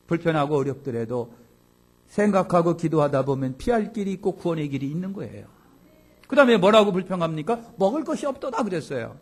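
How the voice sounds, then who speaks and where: A man preaching a Sunday sermon as pastor, emphatic, swinging between loud exclamations and low asides and acting out complaining voices. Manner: acts out complaining voices of the congregation.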